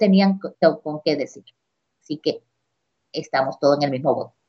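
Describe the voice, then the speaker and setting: A woman speaks with lively intonation. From Cuba. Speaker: local party official. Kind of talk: interview. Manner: halting.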